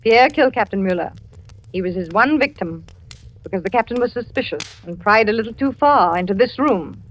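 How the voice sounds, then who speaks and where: An actress playing a French wife in wartime, secretive and deceptive, speaking in hushed, measured 1940s radio drama style. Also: female voice, mid-range voice, animated, lo-fi sound, slight background noise, close to an everyday voice. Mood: cold.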